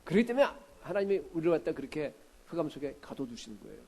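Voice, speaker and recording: A male pastor giving a conversational sermon, often asking the congregation questions and moving between loud and quiet. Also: a little high, big pitch swings, racing, poor audio. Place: church sanctuary.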